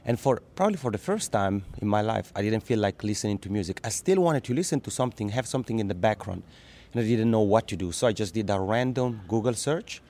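A man from the Italian-speaking part of Switzerland, Italian native speaker with a Swiss Italian accent, chatting as a podcast guest in a lively way, often restarting words. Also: fairly low pitch, quick pace. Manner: lively, laughs easily, repeats words when restarting. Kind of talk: casual interview.

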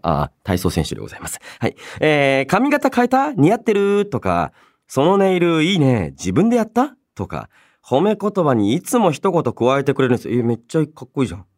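A man's voice: a little high, huge pitch swings, a little fast. A man in his thirties hosting a casual radio show, chatting playfully and reading listener mail in a polite but loose way, often chuckling at himself. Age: 30s. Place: radio studio. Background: background music.

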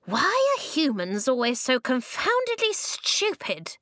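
A high, reedy and creaky little man made of stone, played by a woman narrator, tart and pompous. He snaps and complains in a squeaky storybook voice, pitched well up. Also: huge pitch swings, a little slow, a bit bright, no echo, clean studio sound, exaggerated voice. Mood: snappy. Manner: tart, snapping, haughty complaining. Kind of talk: children's audiobook character voice.

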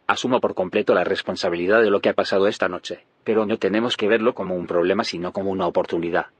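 Low, husky, quick-talking idealistic leader. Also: male voice, steady tone, no echo. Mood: earnest, firm. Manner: earnest, firm, persuasive. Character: calm, idealistic male leader of a research community. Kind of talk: audio drama dialogue.

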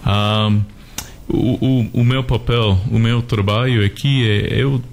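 A man from North America, a native English speaker with an American accent, answering haltingly as an interview guest. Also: mid-range voice, fairly even intonation. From North America, United States. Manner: halting, searching for words. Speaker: guest, missionary.

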